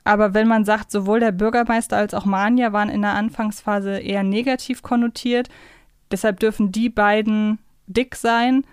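A woman's voice: medium pitch, fairly even intonation, normal speed, smooth, no echo, clean studio sound. A woman talking casually and reflectively as a podcast co-host. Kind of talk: casual podcast discussion of an audio drama series.

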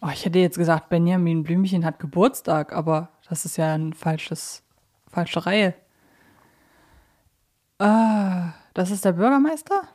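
A woman's voice: lowish voice, unhurried, darkish tone. A woman co-hosting a podcast, chatting casually as she runs through a quiz. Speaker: podcast co-host. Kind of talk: casual quiz chat about audio dramas.

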